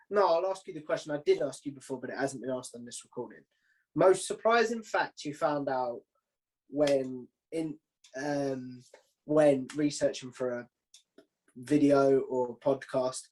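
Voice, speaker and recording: Man, podcast interviewer, medium pitch, informal chat, improvised questions. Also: a little mellow, poor audio.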